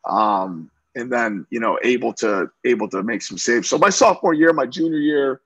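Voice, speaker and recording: Man from central new york, lacrosse coach, husky voice, dry sound. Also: mid-range voice, lively intonation, normal speed, a bit bright, no echo. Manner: talkative, many fillers and restarts. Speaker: lacrosse coach, interview guest. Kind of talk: casual interview chat.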